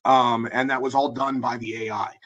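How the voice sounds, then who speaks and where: Hoarse husky man demoing software. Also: mid-range voice, flat delivery, lo-fi sound. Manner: halting, many fillers and restarts. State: hoarse, losing his voice. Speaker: webinar presenter. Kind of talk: live software demo walkthrough.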